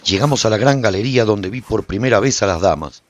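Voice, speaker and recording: An actor playing a weary swordsman who narrates his post-apocalyptic adventure in a radio drama, husky and theatrical. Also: fairly low pitch, expressive, quick pace. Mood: grave, tense. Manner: intense, theatrical. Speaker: narrator and protagonist.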